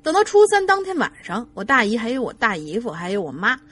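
A woman co-host reading a listener's ghost story aloud in an animated way, laughing now and then. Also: on the high side, fast. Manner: animated, laughs while reading, lively voices for quotes.

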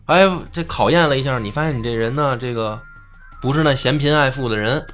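A man's voice: medium pitch, brisk, fairly bright tone, soft background music. A man telling a folk tale in a chatty, joking way with asides. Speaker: storyteller. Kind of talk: casual comic storytelling.

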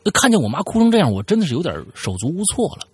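A man's voice: high-pitched, big pitch swings, rapid-fire, darkish tone, breathy edge, no echo. A man hosting a storytelling podcast, narrating a listener's tale in a chatty way with frequent stammered repeats.

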